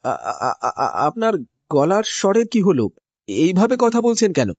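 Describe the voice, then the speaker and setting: A man's voice: high-pitched, sing-song, normal speed, no room sound, dull audio. An actor playing a frightened young man in a cartoon horror story, stammering through fearful questions. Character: frightened young man walking home at night. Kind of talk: cartoon voice acting.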